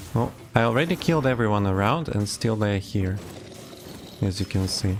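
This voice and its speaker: A man with a non-native accent speaks at a moderate pace, with a fairly low pitch and ordinary pitch variation. Music plays in the background. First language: not English. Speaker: gaming streamer. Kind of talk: casual live stream gameplay commentary. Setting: live stream. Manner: non-fluent, pauses to find words.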